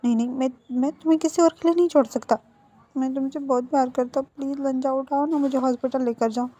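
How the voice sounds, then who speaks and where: A woman's voice: high voice, steady tone, quick pace, mellow, natural voice. Woman doing a whiny lovesick young man. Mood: pleading. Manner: pleading, melodramatic, stammering. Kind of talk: storybook dialogue read by a narrator.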